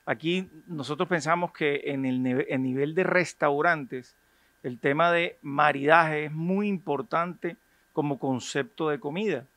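A restaurant owner interviewed indoors for the news, speaking with fluent enthusiasm. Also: male voice, on the high side, unhurried, a bit bright, no echo. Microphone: handheld reporter mic.

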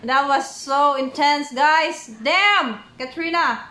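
A woman's voice: high-pitched, slow, bright, forceful tone. A young woman hosting a reaction video at home, exclaiming and laughing often as she comments. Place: small room at home, indoors. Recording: roomy echoey home room.

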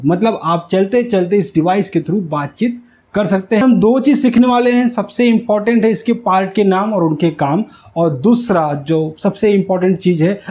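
A man's voice: high voice, mellow. A man, explaining step by step like an instructor and often checking that it is understood. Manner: didactic, repeatedly checks understanding. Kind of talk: explanatory whiteboard tutorial. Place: small indoor room with whiteboard. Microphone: lapel mic.

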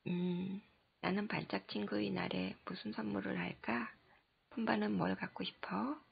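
A playful, chatty little girl from a storybook, put on by a woman reader, with a breathy, half-whispered voice. Her tone stays rough and gravelly with a very husky edge. The lo-fi recording sounds dull and muffled. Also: mid-range voice, fairly even intonation, normal speed, full character voice.

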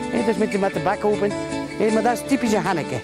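A man's voice: sits high, quick pace, over loud music. A middle-aged man with a Flemish accent, a farmer explaining things on a guided tour in a chatty way, tagging sentences with little fillers. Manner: chatty, many "hè" and "voilà" tags. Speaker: ostrich farmer giving a tour. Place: farm sheds and outdoor pens.

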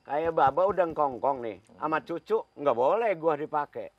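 A man's voice: on the high side, expressive, normal speed, no room sound, dull audio. A man with a Betawi accent, a culture expert, patiently explaining usage with folksy examples in a casual talk-show chat.

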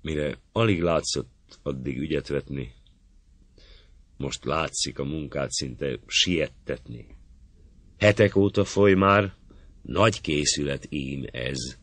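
A man reading an epic poem aloud in a measured, solemn manner for an audiobook. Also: a bass voice, a bit bright, no echo. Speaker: audiobook reader.

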